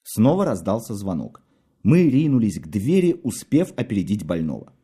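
A man reading a story aloud, expressive and wry in his storytelling. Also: lowish voice, normal speed, husky. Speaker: narrator. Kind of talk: audiobook narration.

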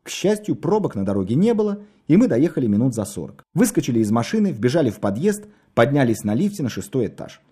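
Husky male storyteller, wry and expressive. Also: mid-range voice, fast, hardly any pauses. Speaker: narrator. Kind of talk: audiobook narration.

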